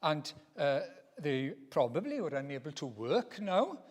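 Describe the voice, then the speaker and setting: A man preaching a teaching sermon in a church, expressive and repeating phrases for emphasis. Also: on the high side, a little slow. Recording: reverberant church hall.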